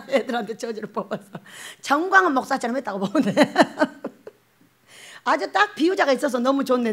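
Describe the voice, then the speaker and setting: A woman's voice: high voice, husky. A woman pastor, preaching a sermon and acting out the voices she quotes. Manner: animated, acts out quoted voices, laughs often.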